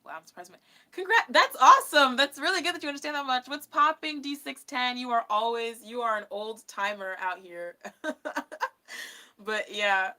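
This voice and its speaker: Livestream host: young American woman, bright edgy tone, informal and rambling, chatting with viewers. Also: fairly high pitch, normal speed. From California, USA. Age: young adult. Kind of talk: casual live stream chat. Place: small decorated bedroom, indoors.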